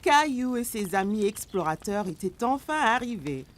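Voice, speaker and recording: A woman narrating a children's cartoon in a gentle, even storytelling manner. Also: medium pitch, moderate pace. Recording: narration over loud cartoon music.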